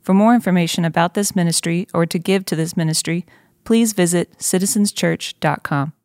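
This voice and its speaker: Low-voiced woman reading a scripted intro. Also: a little fast, a little mellow, dry recording, studio quality. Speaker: recorded announcer. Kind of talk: scripted announcement.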